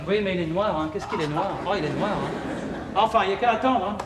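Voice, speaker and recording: An actor playing a flustered, excitable man fussing over a date, stammering and muttering to himself on a theatre stage in a televised boulevard comedy. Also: high-pitched, a little fast, lightly acted. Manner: stammering, fussy, talks to himself. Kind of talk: 1980s French boulevard stage comedy acting. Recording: hissy old television broadcast recording.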